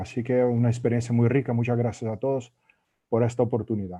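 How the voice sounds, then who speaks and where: This man speaks with a Brazilian accent at medium pitch. His tone is dark and mellow. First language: Portuguese (speaking Spanish). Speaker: academic researcher. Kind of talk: conference Q&A answer. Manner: halting, many fillers and restarts.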